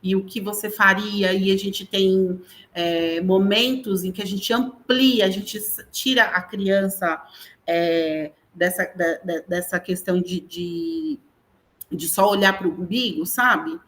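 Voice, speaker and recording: Bright-voiced Brazilian woman educator. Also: medium pitch, takes it slowly. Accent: Brazilian Portuguese. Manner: animated, frequent tag questions. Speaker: educator guest. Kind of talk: conversational interview talk.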